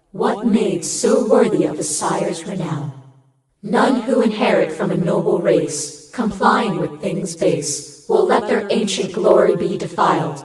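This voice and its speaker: A woman uses a put-on character voice at a medium pitch and a fairly slow pace. There is strong echo around her. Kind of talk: choral tragic verse. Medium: audio drama. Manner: formal, elevated.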